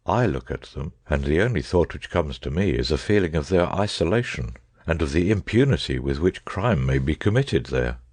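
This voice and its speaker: A man reading the lines of a grave, lecturing male detective in an audiobook, in a husky voice, measured and darkly earnest. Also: extremely low pitch, expressive, darkish tone, no room sound, pitched below the performer's own voice, exaggerated voice. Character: grave, brooding male detective, middle-aged.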